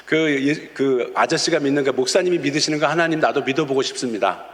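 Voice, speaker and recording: This pastor talks fast in a medium pitch as he preaches, telling stories and acting out kids' words with the odd chuckle. The sermon is set in a church sanctuary, and the recording carries a long church reverb.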